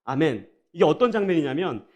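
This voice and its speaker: Man, pastor, preaching a sermon, high voice, animated pitch, rhetorical questions, addresses congregation. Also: a little fast. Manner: draws the congregation in, addressing them directly.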